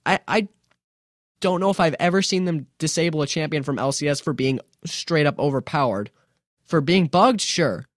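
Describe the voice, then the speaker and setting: A man's voice: a little high, expressive, moderate pace, no echo. Chatty young man on a dry mic. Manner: chatty, self-mocking, rambling with restarts. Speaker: podcast host. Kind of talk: casual solo podcast talk.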